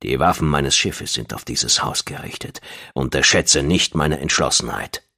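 Very deep, menacing alien warlord. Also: male voice, heavily acted. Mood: cold menace. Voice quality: threateningly deep, hushed. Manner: slow, measured, commanding. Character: menacing, calm male alien warlord, coldly resolute. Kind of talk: audiobook character voice.

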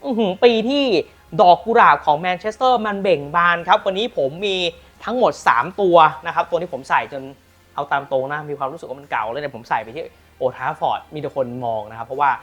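Lively Thai football news host. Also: male voice, a little high, fairly quick, husky. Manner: lively, emphatic storytelling with frequent polite particles. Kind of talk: energetic football news commentary and product pitch.

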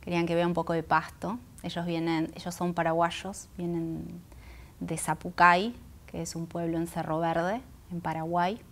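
A woman in her thirties with a Buenos Aires Argentine accent and Guaraní as her first language, reflecting thoughtfully in an interview, pausing between phrases, on a lapel mic. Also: on the low side, flat delivery, fairly bright tone. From Argentina, Buenos Aires area. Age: 30s. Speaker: interview guest, singer and poet. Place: indoor auditorium stage. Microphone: clip-on lapel microphone.

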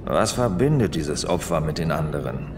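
A man's voice: extremely low pitch, animated, moderate pace, noisy background. A middle-aged man acting as a fatherly, weary police superior in an audio drama. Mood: pondering.

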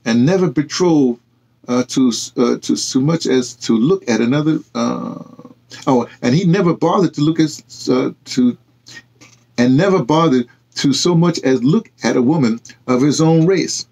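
A man's voice: mid-range voice, creaky, darkish tone, breathy edge, voice pushed up, poor audio. A man reading aloud and voicing a proud, wounded middle-aged planter, stumbling and restarting over the words. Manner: halting read-aloud with restarts.

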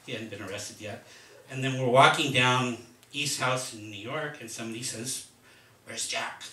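A man telling a lively, laughing anecdote at a live reading, then reading a poem aloud. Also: mid-range voice, moderate pace. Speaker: poet reading at a book release. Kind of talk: storytelling and poetry reading. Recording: roomy, distant mic at a live reading.

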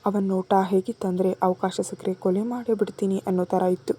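A woman narrates a love story in the first person, earnest and emotional. Her voice is dark and mellow with a husky, breathy edge. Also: medium pitch, steady tone, brisk.

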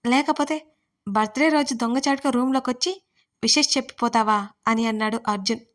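A woman's voice: fairly high pitch, a little fast, lightly acted. Arjun, a woman doing a fond young man. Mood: teasing. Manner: fond, gently teasing. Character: affectionate teasing young man, the groom.

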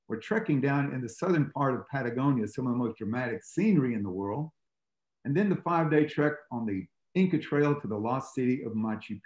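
A man's voice: medium pitch, darkish tone. Older man lecturing in an echoey room. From United States. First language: Greek. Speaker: tour guide and lecturer. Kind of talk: presentation to a club over video call. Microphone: video call.

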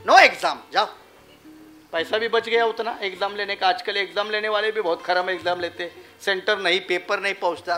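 A man's voice: high voice, pushed and bright. A man giving a public lecture, asking the crowd rhetorical questions and mocking the people he quotes. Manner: rhetorical, asks the audience questions. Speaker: public speaker.

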